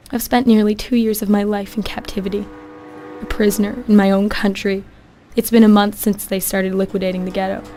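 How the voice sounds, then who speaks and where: A young woman playing a grieving Jewish ghetto prisoner, narrating her memories in a measured, sombre, reflective way. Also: mid-range voice, darkish tone, natural voice. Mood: grieving, bitter. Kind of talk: scripted dramatic first-person narration. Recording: music behind the voice.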